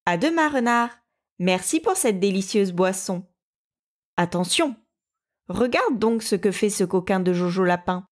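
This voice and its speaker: A woman's voice: mid-range voice, expressive, measured pace, natural voice. A woman voicing a big, gullible male bear who scares easily, with fussy, nervous exclamations. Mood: friendly.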